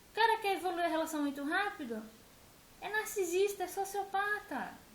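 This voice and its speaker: Extremely high in pitch, a woman with a Brazilian accent speaks at a moderate pace with ordinary pitch variation. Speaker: vlogger sharing personal story. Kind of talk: personal testimony monologue. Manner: loud; animated.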